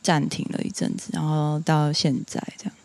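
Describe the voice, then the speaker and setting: A woman's voice: deep voice, level tone, fairly quick, vocal fry, darkish tone, dry recording. A woman with a Taiwanese Mandarin accent in casual conversation. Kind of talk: casual chat.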